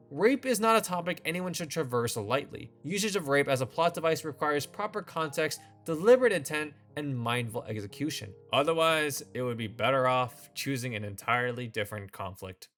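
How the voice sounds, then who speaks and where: A man's voice: a little high, fairly bright tone. A man hosting a scripted commentary video, opinionated with a wry, sarcastic edge. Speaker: video essay host.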